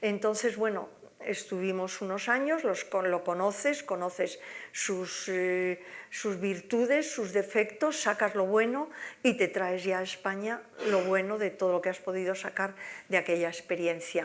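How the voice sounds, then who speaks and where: This woman has a plain, everyday voice at a medium pitch. She speaks at a fairly slow pace with ordinary pitch variation. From Basque Country, Bilbao. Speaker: visual artist. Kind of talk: Q&A at a university talk.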